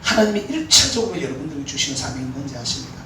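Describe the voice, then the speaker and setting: A man preaching a sermon as pastor, exhorting with animated, emphatic peaks. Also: mid-range voice, rapid-fire. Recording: echoey hall, mic far off, faint room noise.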